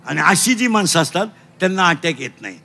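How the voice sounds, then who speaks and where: A middle-aged man preaching a comic kirtan. He shouts questions to the children and mixes broken English into his lessons. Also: a little high, big pitch swings, fairly quick, vocal fry. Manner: shouting call-and-response with children.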